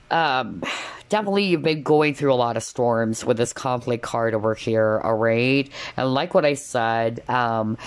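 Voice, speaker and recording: A woman reading tarot cards in a casual, spiritual style, often checking in with little tags like okay and all right. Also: a bass voice. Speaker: tarot card reader, host.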